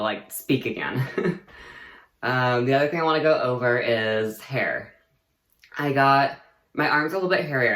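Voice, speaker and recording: A man's voice: mid-range voice, pushed and bright. A young man vlogging a casual personal update, rambling and chatty with lots of fillers and easy laughter. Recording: echoey room.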